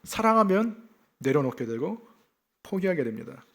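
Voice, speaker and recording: A male pastor from South Gyeongsang with a faint Gyeongsang accent, giving a sermon in a lively, conversational way. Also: fairly high pitch, normal speed, gravelly. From South Gyeongsang, South Korea. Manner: lively, conversational preaching with self-deprecating laughs.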